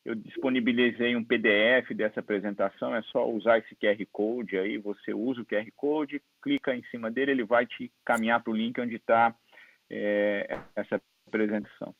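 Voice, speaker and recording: A man with a Brazilian Portuguese accent, appearing as a guest medical expert and presenter, gives a conversational, explanatory online lecture. His medium-pitched voice holds a steady tone at a moderate pace. The call audio is dry and slightly dull.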